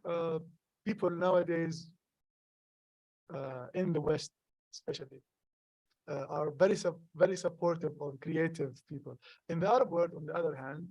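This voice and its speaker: A young man from Gaza whose first language is Arabic, a poet answering questions at a live event, halting and earnest with many restarts. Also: on the high side, darkish tone, no room sound, poor audio. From Gaza, Palestine. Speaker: poet, guest. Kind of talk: live conversation at a public event.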